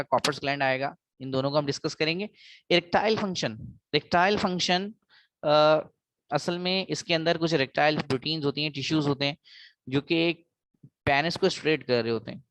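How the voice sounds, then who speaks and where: High-voiced South Asian man lecturing. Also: fairly bright tone, no echo, rough recording. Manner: explanatory, repeats key phrases for emphasis. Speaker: biology lecturer. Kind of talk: classroom lecture mixing Hindi and English.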